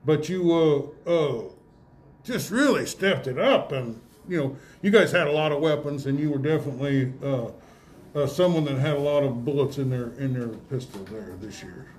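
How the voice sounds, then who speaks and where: A man hosting a casual sports awards interview, folksy and halting, often repeating himself as he goes. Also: medium pitch, animated, a little mellow. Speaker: radio host interviewing award winners.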